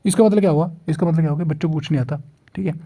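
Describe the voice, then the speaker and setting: A young male teacher walks through a lesson plan in a relaxed, conversational way. His voice sits a little high but sounds mellow and soft-edged. He keeps checking that listeners follow and slows down to read written lines aloud. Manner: repeats checks like "theek hai", reads written lines slowly. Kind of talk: casual teaching walkthrough, mixing Hindi and English.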